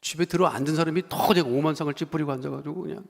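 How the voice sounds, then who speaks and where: A middle-aged man preaching a folksy, joking sermon, acting out quoted voices and building to loud appeals. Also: fairly high pitch, rapid-fire, creaky. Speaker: pastor. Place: church sanctuary. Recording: long church hall reverb.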